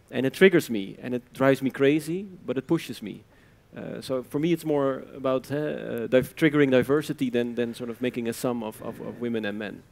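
A man with a Dutch accent talks at a fairly quick pace in a medium pitch. His pitch varies in an ordinary way, while his loudness swings widely. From Netherlands. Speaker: designer. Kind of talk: panel discussion. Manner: halting. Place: hall. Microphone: handheld.

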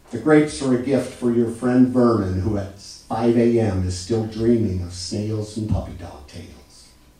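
Speaking in an American accent at a fairly slow pace, the voice shows ordinary pitch variation, big swings in loudness and hardly any pauses, with audible room echo. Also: man, medium pitch for a man. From US Midwest. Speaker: poet. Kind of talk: poetry reading, performed with wry, biting satire turning to tender, somber lines; poetry reading. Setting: stage with audience, live reading at a venue. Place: bar.

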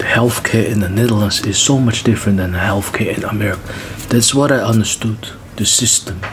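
A man's fairly low-pitched voice at a fairly quick pace, with fairly even intonation and noticeable background noise. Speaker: podcast guest or host. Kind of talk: casual conversation, telling anecdotes. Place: garden. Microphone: studio mic.

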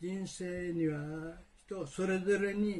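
A man talks in a high pitch. His pace is very slow. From Miyako Island, Okinawa, Japan. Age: 80s+. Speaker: dialect preservation society leader. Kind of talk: prepared personal statement. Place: home room.

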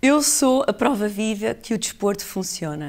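Her pitch sits fairly high for a woman. She speaks fairly slowly with lively intonation. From Portugal. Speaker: former pro surfer. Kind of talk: casual chat. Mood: earnest, personal testimony. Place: studio. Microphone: lapel.

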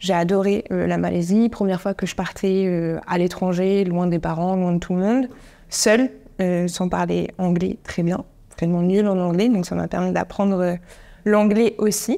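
Her dark, mellow tone carries fairly even intonation as the woman speaks at a fairly slow pace. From France, Centre region (Épernon); Centre region, France. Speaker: expatriation relocation consultant; guest. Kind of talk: casual chat. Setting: podcast. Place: meeting room. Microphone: lapel.

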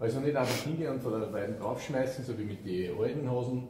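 The speech moves at a moderate pace with ordinary pitch variation. There is audible room echo and noticeable background noise. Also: man. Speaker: horse trainer. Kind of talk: instructional talk to team while working. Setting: stable. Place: farm machine. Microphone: camera far.

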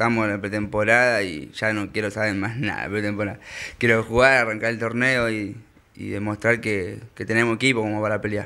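In a bright, sharp tone, a man with a fairly low pitch talks at a fairly quick pace with monotone, flat intonation. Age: 20s. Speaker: football player. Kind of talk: interview; interview answer. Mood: relaxed, hopeful, smiling. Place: home room. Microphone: handheld.

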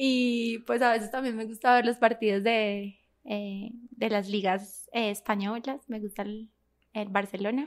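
A woman with a Medellín accent at a fairly slow pace, in a flat, monotone intonation. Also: fairly high pitch for a woman. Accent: Colombian paisa (Medellín). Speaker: marketing executive. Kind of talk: podcast interview.

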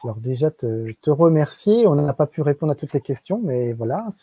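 The man's voice has a dry sound with no echo against a quiet background. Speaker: webinar host. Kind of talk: hosting a live online talk. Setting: video livestream. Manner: hesitant, repeats words. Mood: warm, friendly. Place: home room. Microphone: earbuds.

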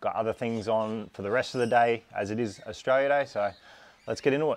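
A man talks at a fairly quick pace. His pitch moves in an ordinary way. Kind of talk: casual vlog chat. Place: workshop. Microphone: lapel.

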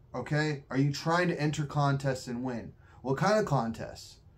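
The delivery is fairly slow. The voice is somewhat breathy. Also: man. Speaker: martial arts coach. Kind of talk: casual advice talk to camera. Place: garage. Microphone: phone near.

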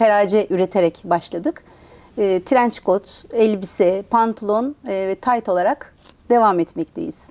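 A woman speaks very slowly in a medium pitch with ordinary pitch variation. Her tone is dark and mellow, and the sound is dry and close with no echo. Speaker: clothing company co-founder. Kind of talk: interview.

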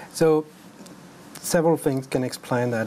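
With a French accent, a man speaks at a fairly quick pace and a fairly high pitch. Light background noise can be heard. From France. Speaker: genetics professor. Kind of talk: studio interview. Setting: studio. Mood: calm, explanatory, some smiles. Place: studio. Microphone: lapel.

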